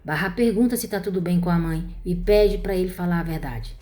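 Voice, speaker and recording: A woman narrating a soap-opera recap in an even storytelling manner. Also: on the low side, a little fast.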